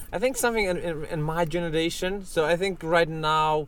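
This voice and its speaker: In a Romanian accent, a man speaks with a high pitch and fairly even intonation. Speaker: podcast host. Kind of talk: casual chat. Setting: indoor room with windows open.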